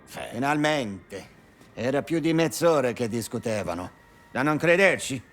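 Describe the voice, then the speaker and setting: A man's voice: mid-range voice, lively intonation, moderate pace, a bit bright. A man playing a sly, theatrical Italian black-market dealer in a cinematic game, teasing and coy like a salesman, with an Italian accent. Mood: brisk, exasperated.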